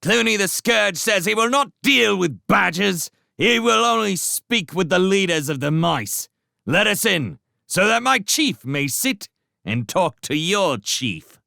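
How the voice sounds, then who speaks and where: A man voicing a swaggering male rat herald who makes loud, drawn-out proclamations. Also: high voice, sing-song, creaky, dry recording, studio quality, voice pushed up, exaggerated voice. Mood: proclaiming.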